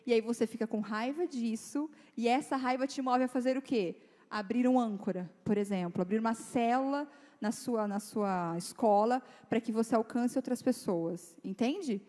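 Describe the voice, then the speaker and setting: Young female youth speaker, lively and conversational, slightly high pitch, reverberant church hall. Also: normal speed. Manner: lively, chatty, acts out dialogue in quoted voices. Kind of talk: informal talk to teenagers.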